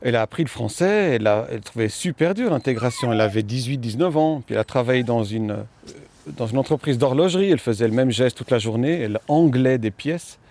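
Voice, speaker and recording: Speaking fast with lively intonation, the man's mid-range voice is a little mellow. He's a Romanian-born author being interviewed conversationally on an outdoor walk, his light French-speaking Swiss accent touched by something unplaceable, and he sounds thoughtful and hesitant with plenty of fillers.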